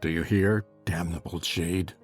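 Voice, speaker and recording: A man voicing a harsh, scornful middle-aged master of a house, with soft music underneath. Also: low-pitched, fairly even intonation, a little slow, pitched below the performer's own voice. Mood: contemptuous. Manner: scornful, snarling.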